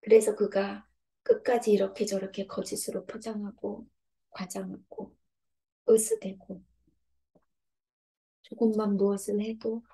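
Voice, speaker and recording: Hushed earnest woman preaching, gravelly and dark. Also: medium pitch, level tone, unhurried, pauses often. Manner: earnest, swings between loud appeals and hushed whispers. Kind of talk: devotional sermon with voiced prayer.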